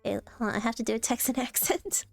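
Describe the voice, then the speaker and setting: A bubbly young woman with a high voice chats on a livestream, bouncing between jokes and laughter with animated energy. Her voice is dry and close, and faint music plays underneath. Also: fast, vocal fry, dry recording. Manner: playful, laughs often, jumpy and animated. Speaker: streamer. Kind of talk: casual livestream chat, reacting to posts.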